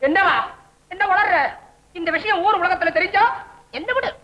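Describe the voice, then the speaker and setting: An actor playing a fretful young bachelor in an old comedy film, wailing and self-pitying. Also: male voice, very high-pitched, moderate pace. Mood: anguished. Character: fretful, whiny young bachelor man in a comic muddle. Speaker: comic lead in a black-and-white film. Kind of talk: 1960s Tamil film comedy acting. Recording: dull old film soundtrack.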